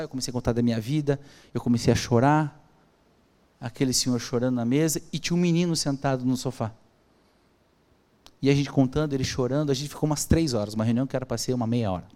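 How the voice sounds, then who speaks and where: A man with a Brazilian Portuguese accent telling a personal story as a podcast guest, acting out the dialogue in an animated way. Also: medium pitch. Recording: long hall reverb.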